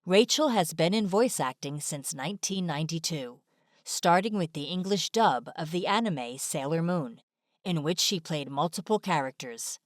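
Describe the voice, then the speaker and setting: Woman doing scripted video voiceover, lowish voice, really dry close recording. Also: lively intonation, moderate pace, no echo. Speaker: narrator.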